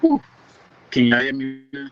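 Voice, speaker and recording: A man's voice: medium pitch, wildly swooping pitch, measured pace, highs cut off. A man joining a casual chat by headset on a remote call. His audio breaks up, choppy and underwater-sounding, as he fumbles with his connection. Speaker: guest.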